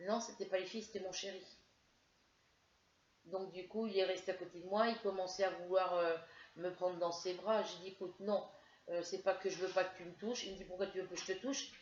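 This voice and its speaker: Femme souffrante, voix grave, récit décousu et hésitant, son terne et sourd. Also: female voice, on the low side, fairly bright tone. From France. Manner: rambling, hesitant storytelling with many fillers. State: feeling ill, headache. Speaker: crafts vlogger. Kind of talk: casual chat to camera. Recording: roomy, dull lo-fi home recording.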